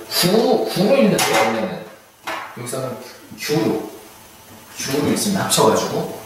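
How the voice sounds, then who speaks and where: A male instructor giving a recorded lecture, chatty, who keeps asking his students questions and then answering them himself. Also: medium pitch. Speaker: hanja certification instructor. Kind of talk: online video lecture. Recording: echoey room, mic far off, faint hiss.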